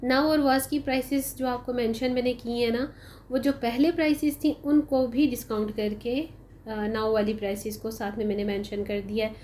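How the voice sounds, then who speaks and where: A woman doing a casual, chatty voice-over for a shopping vlog, unhurried and full of "uh" fillers. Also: fairly high pitch, fairly even intonation, mellow, slight background noise. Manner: chatty, unhurried, frequent "uh" fillers, addresses viewers as "janab" and "bhai". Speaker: shopping vlogger. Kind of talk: casual voice-over of a sale haul.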